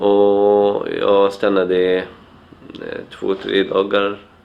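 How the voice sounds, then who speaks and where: A man speaks in an Arabic accent at a fairly low pitch. His intonation is monotone and flat. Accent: Arabic-accented Swedish. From Syria. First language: Arabic (speaking Swedish). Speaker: migrant interviewee. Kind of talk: interview testimony. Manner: halting, many fillers and repeats.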